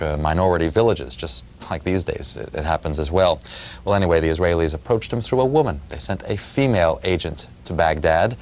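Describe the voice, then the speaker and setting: Low-voiced New York man telling a story. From New York City. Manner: storytelling, measured, explanatory. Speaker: author and radio reporter. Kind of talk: studio interview answers. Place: dark television studio. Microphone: lapel mic.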